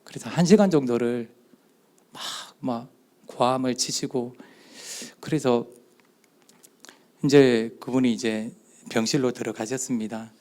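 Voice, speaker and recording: Brief: middle-aged Gyeongsang-accented man, church elder, storytelling testimony, mid-pitched voice, acts out dialogue. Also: steady tone, a little slow, pauses often, darkish tone. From southeastern Korea. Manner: storytelling, acting out quoted dialogue; speaks in short spoken phrases. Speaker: church elder giving a talk at a youth retreat. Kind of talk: testimony talk.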